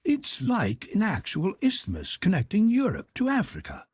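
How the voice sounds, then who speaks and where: A man's voice: sits high, wildly swooping pitch, moderate pace, darkish tone, slightly rough, no echo, studio quality, pitched above the performer's own voice, exaggerated voice. A man voicing a polite, deferential, curious manservant in an audiobook. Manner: deferential, inquisitive. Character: deferential, curious male servant, higher-voiced and polite. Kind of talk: audiobook character dialogue.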